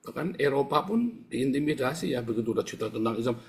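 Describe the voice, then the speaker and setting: A man's voice: mid-range voice, lively intonation, fast. A man preaching a fiery sermon, addressing listeners directly and bluntly. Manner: forceful preaching, keeps addressing listeners as brothers. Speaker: pastor.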